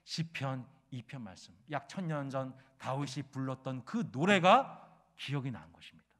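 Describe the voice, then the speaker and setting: A middle-aged male pastor preaching a sermon, telling a story and asking his congregation questions, rising loud when moved. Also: medium pitch, expressive, normal speed. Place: church sanctuary.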